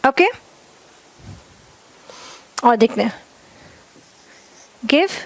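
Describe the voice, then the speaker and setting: Fairly high-voiced woman teaching grammar. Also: darkish tone. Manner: explains slowly with many checks of understanding; mixes Hindi and English. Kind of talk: classroom lesson.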